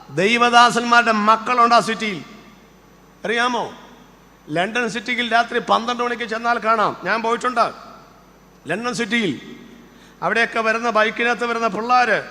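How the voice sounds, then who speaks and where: Fervent older pastor, high bright voice. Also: male voice, big-room sound. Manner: fervent preaching with rapid-fire rhetorical questions. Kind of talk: sermon.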